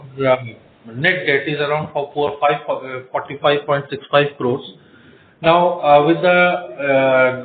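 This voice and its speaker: This man. As a finance executive, he gives figures with many hesitations and fillers. The sound is roomy and squeezed through a phone line. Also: fairly high pitch. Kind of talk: earnings call answers. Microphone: conference call phone line. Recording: echoey room over phone line.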